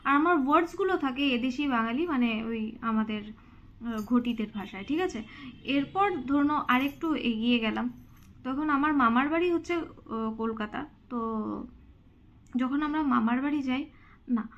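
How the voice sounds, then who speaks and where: Young woman, Sylheti-accented Bengali, high-pitched, slightly muffled recording, casual vlog chat. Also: a bit bright. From Silchar, Assam, India. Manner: chatty, keeps asking "okay?". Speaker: vlogger.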